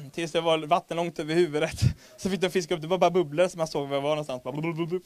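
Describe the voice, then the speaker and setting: A man preaching a sermon, animated and humorous, rising to loud emphasis. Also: a little high, no room sound.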